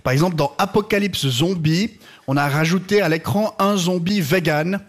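A man's voice: high voice, normal speed, slight background noise. A male comedian telling an absurd story in a dry way, building up to punchlines. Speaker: comedian panelist. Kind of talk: comic storytelling.

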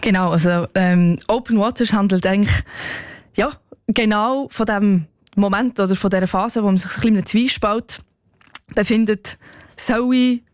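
Thoughtful young Swiss German singer. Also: female voice, medium pitch, normal speed, dry recording, studio quality. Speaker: singer-songwriter guest. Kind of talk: radio interview.

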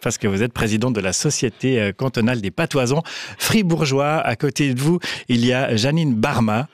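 A man's voice: mid-range voice, normal speed, no room sound. A man hosting a radio talk show, chatty and full of fillers as he introduces guests around the studio table. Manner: chatty, laughs easily, hesitant fillers. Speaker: radio host.

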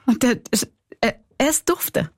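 A woman's voice: on the high side, sing-song, a little slow, no room sound, studio quality. A woman in her forties with a Swiss German accent, a comedian and clown speaking reflectively and laughing often in an interview.

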